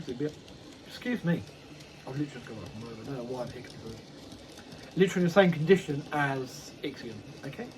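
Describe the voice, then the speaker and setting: A man's voice: on the high side, darkish tone, a little hiss or hum, rough recording. Rambling, hesitant man chatting casually. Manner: rambling, self-correcting, hesitant with many ums. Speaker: model railway hobby vlogger. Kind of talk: casual unboxing chat.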